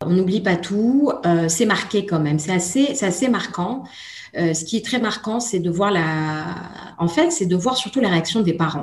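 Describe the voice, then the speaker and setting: With lively intonation, a woman speaks at a medium pitch and a fairly slow pace. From Lebanon, moved to France at 11. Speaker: life coach. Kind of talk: interview testimony. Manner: halting.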